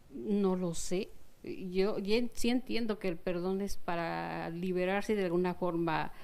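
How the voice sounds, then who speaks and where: A woman with a dark, mellow tone speaks at a very slow pace and medium pitch, with ordinary pitch variation. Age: 60s. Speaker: studio audience participant. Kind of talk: testimony. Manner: halting.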